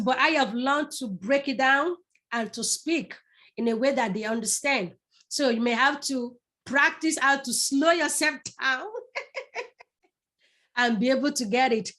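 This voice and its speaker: A woman's voice: high-pitched, measured pace, fairly bright tone. A middle-aged woman with a Yoruba Nigerian accent, teaching public speaking in a live class, addressing the listeners directly and repeating words for emphasis. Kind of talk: live online masterclass.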